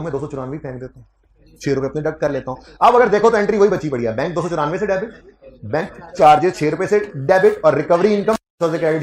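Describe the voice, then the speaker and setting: A man giving a classroom accounting lecture, conversational, teasing his students and repeating key points. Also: fairly high pitch.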